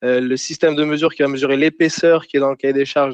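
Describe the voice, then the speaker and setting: Very fast speech in an Alsatian accent comes out flat and monotone, with a dry, close sound and no echo. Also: man. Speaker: metrology manager at an industrial plant. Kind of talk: webinar presentation. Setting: online webinar. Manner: hesitant, many fillers.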